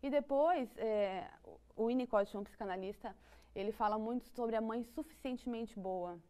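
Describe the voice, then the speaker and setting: Her voice is on the higher side, mellow, clear and resonant, at a normal speed. This psychology guest, a woman with a Brazilian Portuguese accent, explains psychology concepts conversationally, thoughtfully, restarting often and laughing lightly.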